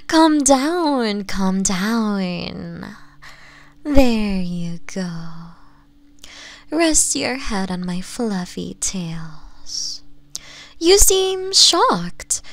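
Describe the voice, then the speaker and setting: A sweetly teasing, possessive fox woman played by a woman in an ASMR roleplay. Her voice is fairly high and unhurried, soft and coaxing, slipping into breathy whispers. The sound is close and dry, with almost no room to it. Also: very animated, dry recording, full character voice. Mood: soothing, then gentle, curious.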